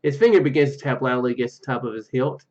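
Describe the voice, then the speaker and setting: A man doing a let's play, reading story text aloud haltingly and dropping in casual asides. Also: medium pitch, darkish tone, dull audio. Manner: halting, stumbles over read words. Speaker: gaming YouTuber.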